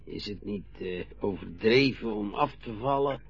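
An actor in a radio play voicing a curious, mildly disapproving gentleman who asks a young woman about her hobby. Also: lowish voice. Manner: slow, questioning, gravelly. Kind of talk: Dutch radio play acting. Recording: dull lo-fi radio play recording, faint music.

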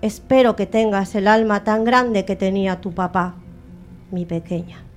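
A woman voicing a young pregnant mother who muses quickly and fretfully. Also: mid-range voice, flat delivery, faint music behind, natural voice. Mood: tender.

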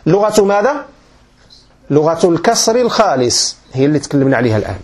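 A man's voice: on the high side, big pitch swings, quick pace, a little mellow. A man with a Moroccan Arabic accent teaching a classroom grammar lesson as a sheikh, patiently repeating points and often quizzing his listeners with check questions.

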